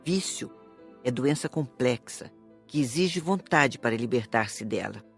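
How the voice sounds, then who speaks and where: A woman playing a calm, serious spirit teacher in an audiobook, speaking in a measured, didactic way. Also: very deep voice, faint music behind, heavily acted. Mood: instructive. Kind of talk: audiobook dialogue.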